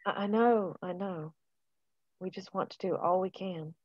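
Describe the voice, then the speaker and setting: A woman reading the part of a gentle, caring woman who organizes a camp, at a table read. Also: lowish voice, a little slow, muffled recording.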